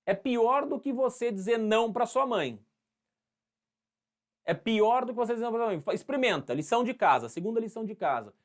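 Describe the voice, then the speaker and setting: High-voiced playful São Paulo history teacher. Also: male voice, animated, brisk. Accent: interior São Paulo. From Brazil. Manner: playful, talks to students by name, acts out scenes. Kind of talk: live online class.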